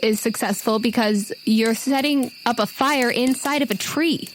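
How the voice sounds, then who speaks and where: A woman with a fairly high voice narrates a tabletop role-playing game as game master. She improvises in a casual, conversational way. Faint noise with chirping insects sits behind her. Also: measured pace, rough recording.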